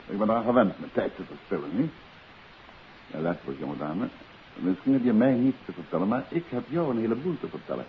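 A man's voice: on the low side, big pitch swings, brisk. A man playing a confident author-detective in a 1950s radio play, coaxing and insistent as he questions. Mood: firm, wry. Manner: urbane, persistent, adds questioning tags. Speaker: radio drama lead actor. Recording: hissy, muffled 1950s radio recording.

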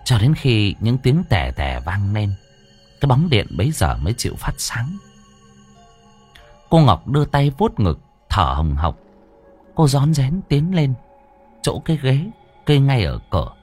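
A man's voice: big pitch swings, unhurried, long pauses, darkish tone, breathy edge, soft background music. A man narrating a ghost story dramatically. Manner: dramatic, swinging pitch.

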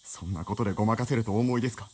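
妻である女性を厳しく問い詰める青年を演じる男性俳優。ラジオドラマの芝居。. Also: male voice, lowish voice, racing, darkish tone, slightly rough. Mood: indignant. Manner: agitated, pressing questions. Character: earnest young male writer's companion, indignant. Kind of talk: radio drama acting.

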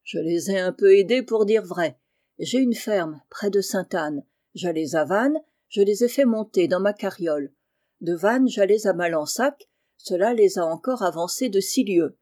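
A woman voicing a kindly, blunt middle-aged male farmer in an audiobook, speaking low and hushed. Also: measured pace, dry recording, studio quality, natural voice. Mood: gruff. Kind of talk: audiobook character reading.

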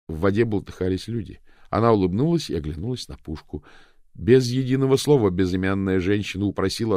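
A man reading an adventure novel aloud as narrator, expressive and raising his voice for the characters' shouts. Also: lowish voice, no room sound, studio quality. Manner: expressive, raises voice for shouted lines. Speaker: audiobook narrator.

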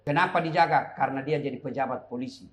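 A man's voice: mid-range voice, fast talker, slight background noise. A middle-aged man, preaching a humorous sermon to young people with joking asides and rhetorical questions.

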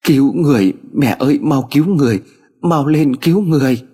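A man voicing a frightened, hysterical young woman patient with a shrill, pleading voice. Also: expressive, moderate pace, darkish tone, breathy edge. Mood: panicked.

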